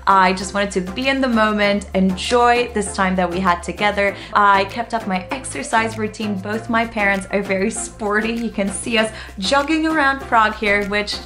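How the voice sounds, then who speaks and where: A woman in her twenties from the Czech Republic with a blended British and North American accent, chatting excitedly as a travel vlogger. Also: medium pitch, normal speed, few pauses. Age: 20s. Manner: chatty and excitable, laughs often. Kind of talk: casual vlog narration. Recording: music playing behind voice-over.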